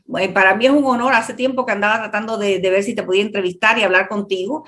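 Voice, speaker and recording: A woman's voice: medium pitch, fairly even intonation, quick pace, a bit bright. A woman from Cuba with a Cuban accent, hosting a radio show in a conversational talk and interview style.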